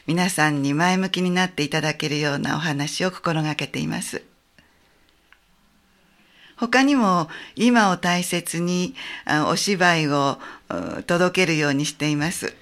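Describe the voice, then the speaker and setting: A woman from a visiting theater troupe, speaking calmly and gently about their plays. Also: on the low side. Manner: calm, gentle, measured talk with fillers. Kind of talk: radio interview.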